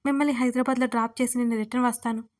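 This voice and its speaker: A woman's voice: on the high side, flat delivery, very fast, lightly acted. Woman reading a polite loyal male assistant. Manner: polite and deferential.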